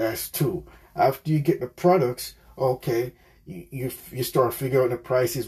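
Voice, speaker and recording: Medium-pitched man with a non-native accent, dark, mellow and somewhat breathy tone, moderate pace. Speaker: podcast host. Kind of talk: motivational monologue.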